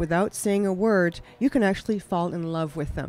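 A normal speaking voice goes at a fairly quick pace with ordinary pitch variation. The sound is dry, with no echo. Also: woman. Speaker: dating coach, author. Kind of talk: interview. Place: bar. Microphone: handheld.

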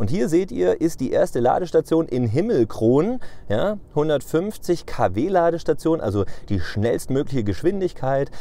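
A man's dark, mellow voice with very wide pitch swings, dry and free of echo. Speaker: car video creator. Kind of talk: tutorial. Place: car. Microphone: phone near.

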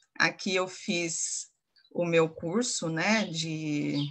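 Her voice is bright and sharp in tone, a woman's at a fairly low pitch. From interior of São Paulo state, Brazil. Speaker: lawyer; guest. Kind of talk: webinar talk. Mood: warm, smiling. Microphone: video call.

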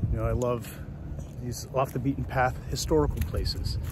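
The speech moves at a fairly quick pace, the sound dry with no echo and noticeable background noise behind it. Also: man. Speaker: travel vlogger. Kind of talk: casual vlog chat. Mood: upbeat, reflective. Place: open country. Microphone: phone near.

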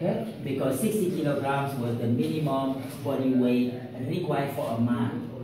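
There is strong room echo and noticeable background noise as a man speaks at a moderate pace. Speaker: tour guide. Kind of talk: guided tour explanation. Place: hall. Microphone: camera far.

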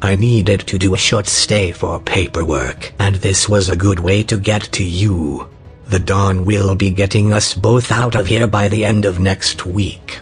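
A man talks with a fairly low pitch. Clear music plays in the background. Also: moderate pace. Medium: audio drama. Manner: measured, formal, courteous.

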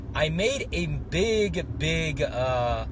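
A man's voice sounds dry with no echo, with noticeable noise in the background. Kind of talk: casual vlog chat. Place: car.

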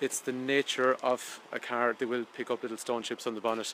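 At a moderate pace, a man talks in a dry sound with no echo and light background noise. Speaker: car salesman. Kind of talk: walkaround sales commentary. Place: street. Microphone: phone near.

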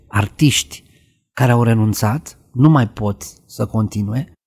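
A man speaks at a very slow pace in a somewhat breathy voice with ordinary pitch variation. The background is quiet. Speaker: musician. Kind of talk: casual chat. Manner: halting. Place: studio. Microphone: studio mic.

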